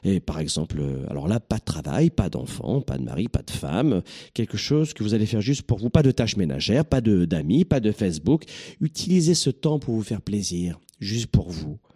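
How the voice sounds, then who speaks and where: A man from southern France giving a motivational talk, energetic and joking with his listeners. His voice sits lowish and husky. His pitch leaps around a lot. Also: moderate pace. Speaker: motivational speaker.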